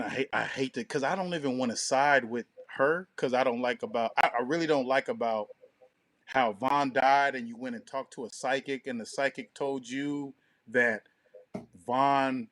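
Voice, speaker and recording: With a medium-pitched, fairly bright voice on a dry recording, a man co-hosts a podcast. His casual chat is loaded with slang and profanity, and he often acts out quotes from other people.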